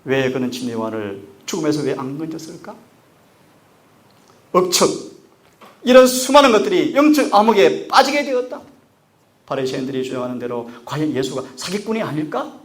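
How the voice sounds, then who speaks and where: Guy preaching a sermon, kinda high voice, gets loud then drops soft, acts out the bible bits. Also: normal speed, pauses often. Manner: animated preaching, acting out dialogue with swings in pitch and loudness. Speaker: pastor.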